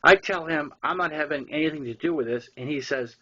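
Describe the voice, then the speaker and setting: Man, Boston accent, bright forceful voice, informal storytelling, wry halting delivery, dull lo-fi recording. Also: fairly high pitch. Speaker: author reading own novel aloud. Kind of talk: informal storytelling, reading with asides. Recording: dull lo-fi audio.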